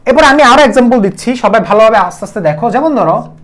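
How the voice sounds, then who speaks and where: A man's voice: extremely high pitch, expressive, quick pace, a bit bright. A man with a Bangladeshi Bengali accent giving a chemistry video lecture, repeating key terms and quizzing the viewer with questions. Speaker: chemistry teacher.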